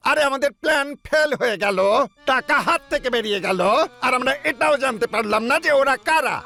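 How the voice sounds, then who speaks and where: A man's voice: very high-pitched, a little fast, gravelly, bright, forceful tone, full character voice. A man voicing a fed-up, complaining moustached bandit in a Bengali cartoon.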